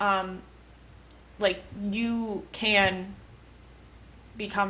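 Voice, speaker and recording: A woman at a medium pitch speaks in a bright, sharp tone with audible room echo. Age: 30s. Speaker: YouTuber. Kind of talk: casual chat.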